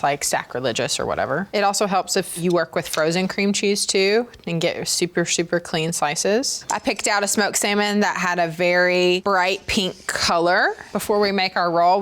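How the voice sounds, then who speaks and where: A young woman food stylist hosting a casual cooking demonstration, chatty and excitable, full of "like". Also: lowish voice.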